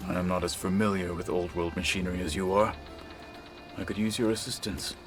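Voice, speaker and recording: An actor playing a stern, one-armed tribal warrior who speaks in a formal, measured way in a video game cutscene. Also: male voice, sits low, fairly even intonation, music in the background, lightly acted. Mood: earnest.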